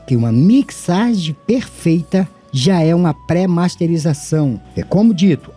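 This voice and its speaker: Hosting an unscripted audio tutorial, a middle-aged Brazilian man teaches in a didactic manner, speaking formally to listeners and posing questions he then answers himself. His fairly high, mellow, slightly rough voice carries a tongue-tied lisp, with s sounding like a slushy sh, and music plays underneath.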